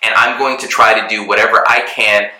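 A man's voice: on the low side, flat delivery, fairly quick, sharp tone. A man from Texas in casual chat, talking earnestly and rambling with many fillers and restarts. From Texas, USA. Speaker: vlogger, expat in Mexico. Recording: roomy echo.

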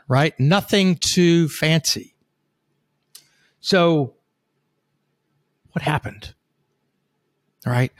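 A man's voice: medium pitch, no echo. Folksy man telling a sales story. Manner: folksy, profane storyteller acting out quoted characters.

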